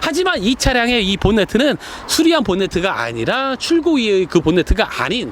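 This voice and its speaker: With noticeable background noise, a man speaks at a high pitch that swings very widely. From South Korea. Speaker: used car exporter. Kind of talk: car inspection walkaround. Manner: pronunciation slips and repeats when hungry; casual, filler-heavy.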